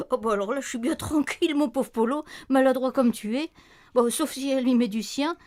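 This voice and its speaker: An actress playing an anxious, insistent wife in a radio play, fretting over noises at night. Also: female voice, high voice, fairly quick, darkish tone, lightly acted. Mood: fretful, nagging. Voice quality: insistent, fretful. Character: anxious, insistent wife, worried, sharp-tongued.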